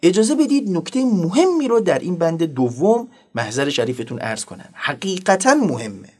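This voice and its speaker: A man preaching a sermon in a high voice that leaps about with lively emphasis. He is formal and earnest, dropping to soft, low asides before rising again to stress a point. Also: slightly rough.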